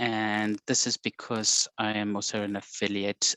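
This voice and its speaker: A man with a South African accent speaks in a fairly low pitch. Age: 40s. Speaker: IT security executive and archaeologist. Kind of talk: interview conversation.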